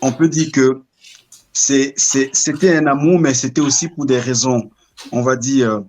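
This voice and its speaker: A middle-aged Cameroonian man, speaking as an interview guest, tells his story slowly and reflectively at an ordinary male pitch with a steady tone. He is measured and weighs his words, often pausing to search for the right one, over a slight hiss or hum.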